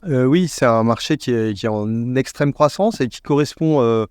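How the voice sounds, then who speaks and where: A man speaking as an expert podcast guest in a conversational interview, explaining things in a measured way as he thinks aloud. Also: mid-range voice, a little mellow, clear, resonant tone, no echo, studio quality.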